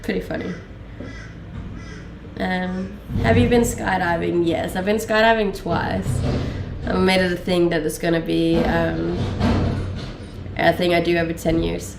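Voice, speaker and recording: A young woman from Denmark with a mixed Danish and Australian accent, chatting casually with stream viewers, relaxed and laughing, a little under the weather. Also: on the low side, unhurried, creaky, long pauses, roomy sound, over music. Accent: Danish-Australian mix. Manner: relaxed, laughing, many fillers. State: a little sick. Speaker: livestreamer. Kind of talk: casual chat reading viewer questions.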